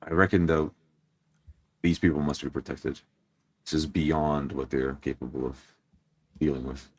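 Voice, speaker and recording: A man's voice: very deep voice, flat delivery, unhurried, a little mellow, slightly rough, dry recording, exaggerated voice. A man voicing an earnest, courteous adventurer with solemn, formal wording in a tabletop roleplay.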